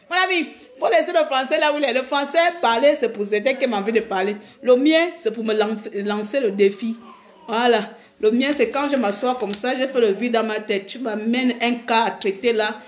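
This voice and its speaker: A woman's voice: fairly high pitch, moderate pace. A middle-aged woman from Gabon, chatting casually on a live stream, teasing her viewers and laughing often.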